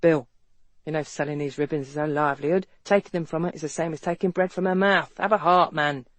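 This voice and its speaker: Storybook leading man, played by a woman: young Irish charmer, low-voiced, calm, coaxing, teasing. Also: moderate pace, no echo, natural voice. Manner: quiet, coaxing.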